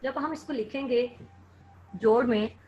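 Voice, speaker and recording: A woman teaching a children's lesson, spelling words out slowly and clearly letter by letter. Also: fairly high pitch, dull audio, a little hiss or hum.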